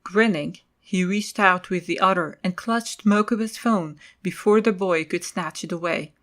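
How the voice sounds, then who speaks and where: A woman's voice: on the low side, a little slow. A woman reading scripted third-person story narration for an audio drama.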